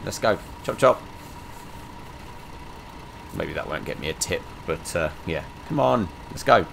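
A man with a croaky voice from being ill, casually commenting as he plays a driving game, rambling with lots of fillers. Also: deep voice, expressive, unhurried, a bit bright, a little hiss or hum. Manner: rambling, many fillers, chatty asides. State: croaky from illness. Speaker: gaming channel host. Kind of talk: casual let's-play commentary.

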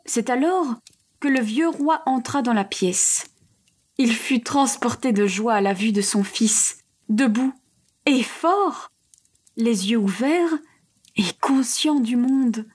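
Slow, gentle woman telling a fairy tale. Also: fairly high pitch, breathy edge. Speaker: storyteller. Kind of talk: audio fairy tale reading.

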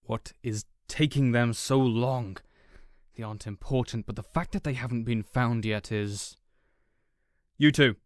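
A man's voice: mid-range voice, a little slow, no room sound, clean studio sound, natural voice. A man voicing a smug, coldly menacing arch-nemesis who drawls and mocks theatrically in an audio roleplay. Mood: cold, impatient. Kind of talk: audio roleplay villain monologue.

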